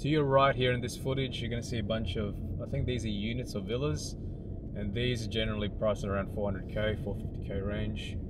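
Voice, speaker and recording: Loud background noise surrounds a man talking at a fairly quick pace, the sound dry with no echo. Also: ordinary pitch variation. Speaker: property-hunting vlogger. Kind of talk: casual vlog commentary. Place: car.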